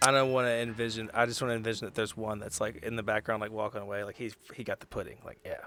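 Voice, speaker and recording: A man's voice: fairly low pitch, flat delivery, rapid-fire, a bit bright, faint music behind. A man playing a tabletop game, joking loosely and describing what his character does. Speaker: player. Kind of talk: casual tabletop game play.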